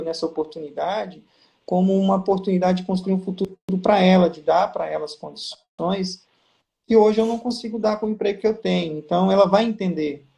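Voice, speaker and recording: A man's voice: high-pitched, creaky. A Brazilian man on a video call, telling stories as an interview guest and acting out quoted exchanges. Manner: storytelling, animated quoting. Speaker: guest, pharma district manager. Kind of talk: casual live interview.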